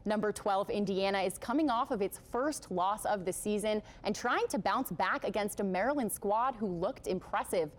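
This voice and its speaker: A woman's voice: medium pitch, a little hiss or hum. A woman with an American accent reading a scripted sportscast as anchor.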